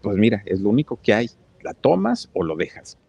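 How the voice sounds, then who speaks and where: A man's voice: lowish voice, very animated, a little fast, gravelly, dark tone, husky, exaggerated voice. A man voicing a blunt, dismissive male boss. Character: gruff male boss offering a mailman job.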